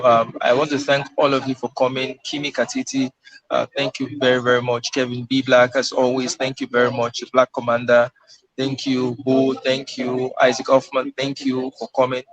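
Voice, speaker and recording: A man's voice: mid-range voice, a bit bright, low-quality recording. A man hosting an online panel discussion, thanking guests and politely moving the talk toward a close. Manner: polite, wrapping up. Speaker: host.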